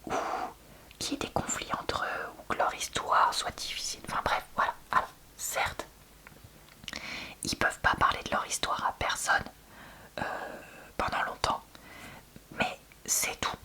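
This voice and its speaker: A woman speaks in a breathy library whisper, almost entirely unvoiced and crisp on the edges. She chats candidly in an ASMR book-review style, with a hushed, conversational delivery. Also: measured pace, long pauses.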